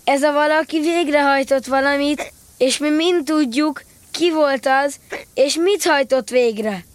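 A woman playing an earnest little boy who speaks deliberately in a children's audio drama. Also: high voice, no echo, natural voice. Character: earnest little boy making a formal speech.

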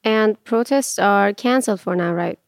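A woman's voice: medium pitch, moderate pace, no echo, clean studio sound. A woman hosting a podcast, asking questions in a conversational way. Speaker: podcast host.

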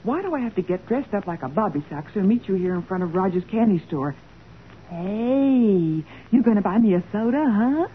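A woman's voice: mid-range voice, lively intonation, normal speed, narrow, tinny audio, natural voice. A woman playing a perky young detective's assistant with a pert American delivery in a 1940s radio crime drama. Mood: pert, game. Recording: scratchy, thin 1940s radio recording.

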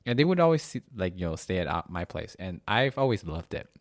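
A young man from Malaysia with a very deep voice, chatting loosely on a podcast. He rambles, restarting his sentences and leaning on fillers. The sound is dry and close. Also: very animated, fairly quick, dry recording. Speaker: podcast host. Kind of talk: casual chat.

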